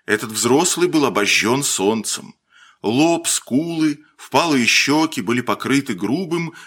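A man reading a story aloud, with a measured and expressive delivery. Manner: expressive, measured reading with shifts in pitch for emphasis. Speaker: narrator. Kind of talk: scripted storybook narration.

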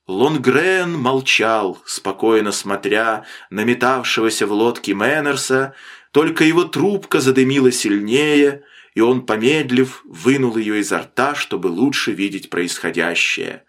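Dramatic male audiobook narrator. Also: medium pitch. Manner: expressive, dramatic reading with slowed emphatic phrases. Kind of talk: scripted literary narration.

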